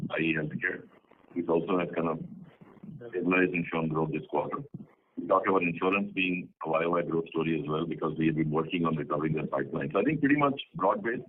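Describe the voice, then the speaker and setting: A man with a husky voice answering as a company executive on an earnings call, explaining in business jargon over a phone conference line. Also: sits low, narrow, tinny audio, slight background noise. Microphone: telephone.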